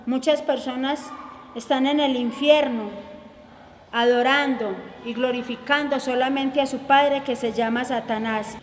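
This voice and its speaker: A woman evangelist delivers an emotional testimony in a high voice, pleading and fervent, sometimes rising almost to a shout. The sound is roomy and echoey, with long reverb from the hall. A faint hiss sits under it. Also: steady tone, a little slow.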